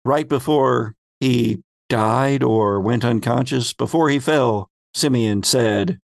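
A male game master recaps a tabletop story at an unhurried pace. His storytelling is measured and dramatic, in a mid-range voice. The sound is dry, with no room to it. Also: mid-range voice, vocal fry, no room sound. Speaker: game master and podcast host.

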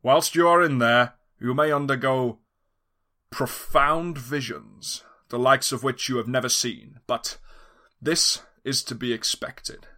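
A man putting on a slow, grandiose mad scientist. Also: medium pitch, bright, forceful tone. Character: pompous fat nerd mad scientist man.

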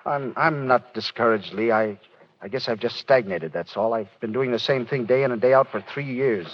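An actor playing an earnest, emotional young country doctor in an old radio drama. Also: male voice, medium pitch, moderate pace, lightly acted. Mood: anguished. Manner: earnest, emotional, swinging to despair. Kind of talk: 1930s radio drama acting. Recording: dull old radio broadcast.

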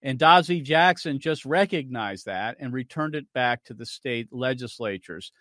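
A man's voice: mid-range voice, animated, normal speed, fairly bright tone, dry recording, clean studio sound. A man hosting a radio talk show, giving opinionated, argumentative commentary and cueing clips to play.

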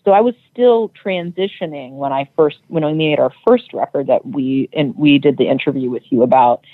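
A woman's voice: low-pitched, normal speed, no room sound. A chatty woman talking over a tinny, phone-like line. The sound is very dry with no room around it. She stops and restarts her sentences as she gathers her thoughts. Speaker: metal band singer. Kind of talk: interview guest.

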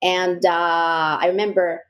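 A young adult woman from Egypt, a real estate broker talking casually as an interview guest, warm and quick to laugh. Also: on the low side, little pitch movement, smooth.

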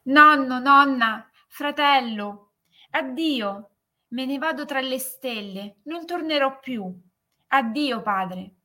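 Young girl longing to dance, put on by a woman narrator, pleading, slow, storybook. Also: mid-range voice, fairly bright tone. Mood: farewell cry.

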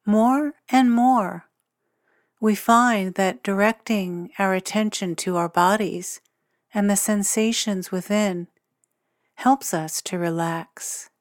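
Her voice is mid-pitched, close-miked and dry with no room sound, as this podcast host guides a meditation. She moves very slowly, offering short, gentle phrases with long silences between them.

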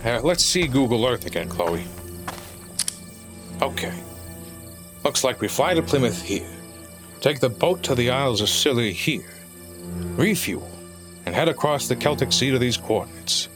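A man playing an older, wily pilot and treasure hunter in an adventure audio drama, folksy, world-weary and unhurried. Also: mid-range voice, sing-song, over music, close to an everyday voice. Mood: businesslike.

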